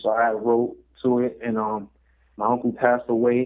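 A man of medium pitch speaks fairly slowly with a New York accent. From US Northeast, New York City (East Harlem). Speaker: rapper. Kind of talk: casual interview. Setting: phone call.

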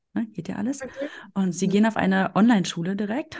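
A woman speaks at a fairly quick pace. Her tone is dark and mellow, and somewhat breathy. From eastern Germany, near Polish border. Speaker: podcast host. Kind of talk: casual interview.

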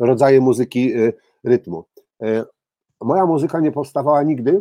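A man talks at a very fast pace in a dark, mellow tone with ordinary pitch variation. The recording is very clean with a silent background, and the sound is dry and close with no echo. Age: 40s. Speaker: hip-hop DJ and producer. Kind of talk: casual interview. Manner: animated.

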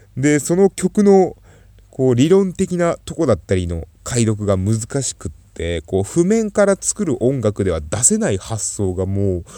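With a dark, mellow tone and medium pitch, a man speaks at a fairly slow pace using very wide pitch swings. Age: 30s. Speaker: drummer and podcast host. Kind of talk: solo casual talk.

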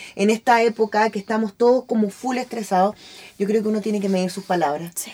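With a normal speaking voice, a woman talks at a fairly quick pace and fairly high pitch. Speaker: podcast co-host. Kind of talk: casual chat.

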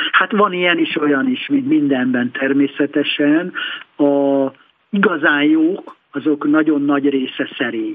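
A man with a plain, everyday voice talks at a fairly slow pace, his fairly high pitch moving with ordinary variation and his loudness very even. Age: 60s. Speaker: photojournalist. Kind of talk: interview.

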